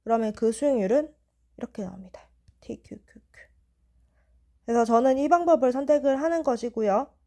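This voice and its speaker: A woman's voice: fairly high pitch, fairly quick, pauses often, dark tone. Young woman explaining stock charts. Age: 20s. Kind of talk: chart analysis talk.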